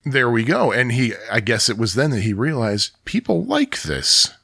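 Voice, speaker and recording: A man co-hosting a podcast, chatting casually with quick reactions and hedging asides. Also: mid-range voice, sing-song, gravelly, sharp tone, no echo, studio quality. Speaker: podcast co-host. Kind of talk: casual conversation.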